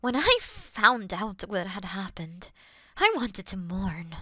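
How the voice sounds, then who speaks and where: A woman playing a weary, noble and gentle demon queen in a fantasy audio roleplay, speaking earnestly in a breathy, hushed way. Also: medium pitch, very animated, dry recording, studio quality, exaggerated voice. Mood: grieving. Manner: solemn, slow, earnest, breathy hushed delivery.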